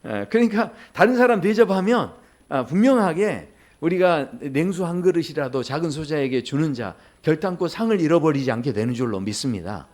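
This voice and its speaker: A man's voice: on the high side, brisk. A man pastor preaching a sermon in a church, talking straight to the congregation and acting out the voices in the stories he tells. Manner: lively, acts out voices in quoted dialogue; talks directly to the congregation with questions. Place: church sanctuary.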